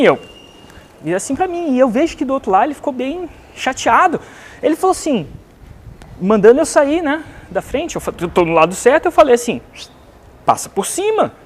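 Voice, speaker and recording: Animated Brazilian man telling a story. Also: high voice, a little hiss or hum. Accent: Brazilian Portuguese. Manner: animated, acts out the other voices in his story. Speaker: online business coach. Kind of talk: storytelling to teach a point.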